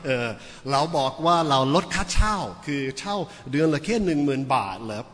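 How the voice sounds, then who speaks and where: A man voicing a normally quiet, polite woman landlord who turns insistent and wheedling about money. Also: on the high side, lively intonation, moderate pace. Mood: pushy. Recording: echoey hall.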